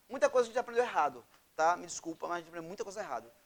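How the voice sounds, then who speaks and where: A man with an animated tone and lively intonation. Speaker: Portuguese language teacher. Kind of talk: lecture.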